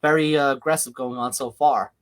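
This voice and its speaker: A young man from New York hosting a casual watch-along podcast, calling the action excitedly and laughing often. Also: medium pitch, brisk. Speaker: podcast host.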